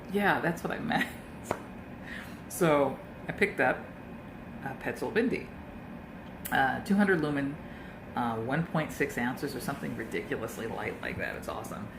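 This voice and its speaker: A woman's voice: extremely low pitch, background noise. Chatty woman vlogging on a hiking trail. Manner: chatty, laughs often, self-deprecating. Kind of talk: casual vlog chat. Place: on a mountain trail outdoors, later at home.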